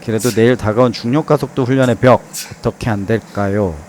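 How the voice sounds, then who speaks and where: A man's voice: medium pitch, fairly even intonation, brisk, darkish tone, a little hiss or hum. A man giving a casual explanatory voice-over, playfully dramatizing and posing rhetorical questions as he goes. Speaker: host and narrator, former pilot trainee.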